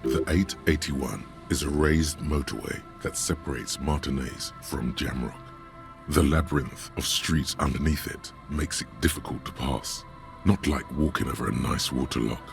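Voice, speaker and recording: A very deep, gravelly male narrator for a video game, laying out the scene in a measured, dry manner. Game music plays behind him. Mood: calm, dry. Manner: measured, dry descriptive delivery. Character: gravelly omniscient male narrator voice, calm and observant.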